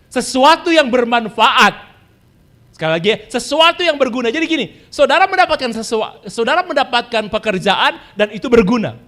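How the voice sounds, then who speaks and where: Male pastor, high animated pitch, storytelling sermon that acts out voices and repeats key lines.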